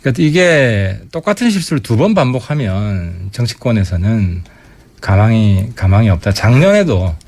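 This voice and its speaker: A man guesting on a radio current-affairs interview as a lawmaker, giving pointed, sharp-tongued political commentary into a studio mic. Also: lowish voice, very animated, normal speed.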